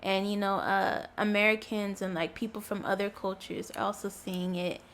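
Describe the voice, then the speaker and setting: A young adult woman chatting as an interview guest. Her voice is mid-pitched and easygoing, and her answers are short and punctuated by giggles. Faint background noise is present. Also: flat delivery, moderate pace, a bit bright. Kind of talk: casual interview chat.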